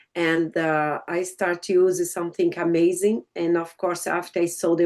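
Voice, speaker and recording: Her voice sits at a fairly low pitch for a woman, with a Portuguese accent. She speaks at a fairly slow pace. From Brazil. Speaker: network marketing presenter. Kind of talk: sales pitch.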